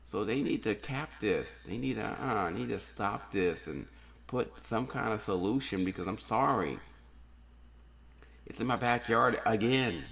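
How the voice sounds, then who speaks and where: A man's voice: fairly low pitch, unhurried, vocal fry, a bit bright. A man who grew up in New Orleans, hosting a solo podcast and ranting earnestly, with repeated phrases for emphasis. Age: adult, has daughters. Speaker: podcast host.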